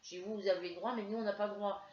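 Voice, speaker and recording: A woman's voice: mid-range voice, fairly even intonation, racing, darkish tone. A woman from France telling a casual, rambling story to her viewers with many hesitations while feeling ill with a headache. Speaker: crafts vlogger. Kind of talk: casual chat to camera. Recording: roomy, dull lo-fi home recording.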